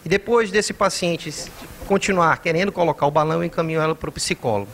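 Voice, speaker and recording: Explaining doctor from Ceará, Brazil. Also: male voice, a little high, fast talker, a bit bright, slight background noise. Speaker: doctor, studio guest. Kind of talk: TV interview answers.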